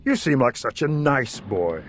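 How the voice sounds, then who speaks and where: A man's voice: medium pitch, huge pitch swings, a little slow. A man doing a mild, kindly executioner. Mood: friendly. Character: pleasant, friendly male executioner.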